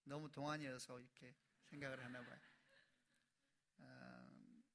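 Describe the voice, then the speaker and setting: Forceful bright-voiced preacher in his forties. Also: medium pitch, huge pitch swings, a little slow, creaky, slight background noise. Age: 40s. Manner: storytelling, swells to loud emphatic peaks. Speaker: pastor. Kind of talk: sermon.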